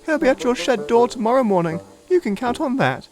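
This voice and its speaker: A man's voice: extremely high pitch, sing-song, brisk, pitched above the performer's own voice. A man voicing a fussy, grand older female engine who speaks in a gushing, affected and dramatic way.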